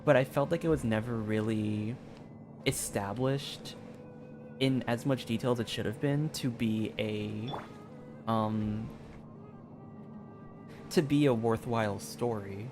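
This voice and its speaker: A man's voice: on the low side, slow, pauses often. A man giving casual, rambling game commentary in a hesitant way, often saying "like". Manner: hesitant, peppered with "like". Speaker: video game streamer. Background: background music.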